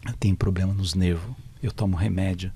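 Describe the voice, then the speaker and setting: A man's voice: low-pitched, fairly even intonation, a little fast, dark tone, a little hiss or hum. A man voicing an earnest, talkative male mourner who cries at wakes, in a plaintive, questioning way. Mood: sad.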